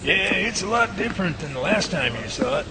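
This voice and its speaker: Creaky, high-pitched genial professor, played by a man, noisy recording. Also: lively intonation, brisk. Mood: earnest. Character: friendly, earnest male science professor running Bigfoot lab. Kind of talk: amateur radio drama acting. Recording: very noisy track, loud ambient rumble.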